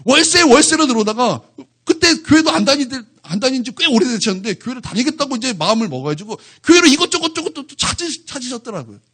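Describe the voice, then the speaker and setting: A man's voice: extremely high pitch, big pitch swings, quick pace, few pauses, a bit bright, slightly rough. A male pastor preaching a sermon in church, talking animatedly and keeping the congregation engaged with one question after another.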